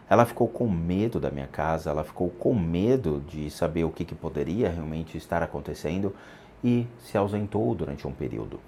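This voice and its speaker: A man in his forties telling a personal story in an unhurried, reflective way, with pauses and restarts. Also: low-pitched, darkish tone, a little hiss or hum. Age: 40s. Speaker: vlogger. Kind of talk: storytelling vlog about a haunted childhood house.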